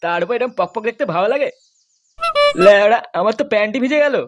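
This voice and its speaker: Man voicing a fast-talking crude cartoon lad. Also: high voice, expressive, over music. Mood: grumbling, lustful. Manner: crude, bragging. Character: lecherous, grumbling, foul-mouthed young man of the gang. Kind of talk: crude comedy cartoon dialogue. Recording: faintly noisy cartoon soundtrack.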